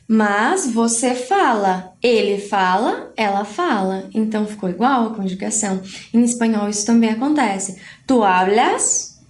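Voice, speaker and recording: A woman's voice: a little high, darkish tone. A Brazilian woman teaching a recorded video lesson, explaining patiently and having learners repeat words after her. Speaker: Spanish teacher. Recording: roomy echo.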